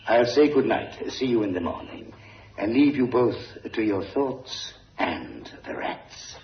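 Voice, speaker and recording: A gloating radio villain. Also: male voice, lowish voice, big pitch swings, unhurried, a little hiss or hum, full character voice. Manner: smooth, gloating, menacing. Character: cold sinister male villain Kramer. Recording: dull, echoey old radio recording.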